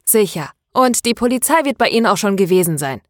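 A woman's voice: mid-range voice, sing-song, fairly quick, dry recording, clean studio sound, voice pushed up. A woman voicing a passionate, stubborn young female student in an audiobook, indignant and emphatic. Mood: furious. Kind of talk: dramatized audiobook dialogue.

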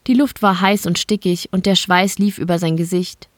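A woman from Bavaria narrating an audiobook in a steady, measured storytelling manner. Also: lowish voice, dry recording, studio quality. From Bavaria, Germany. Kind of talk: scripted narration.

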